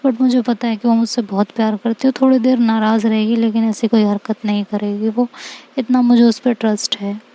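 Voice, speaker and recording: A woman's voice: a little high, flat delivery, a little fast, warm tone, close to an everyday voice. A woman voicing a lovesick teenage girl who talks in a pleading, insistent way.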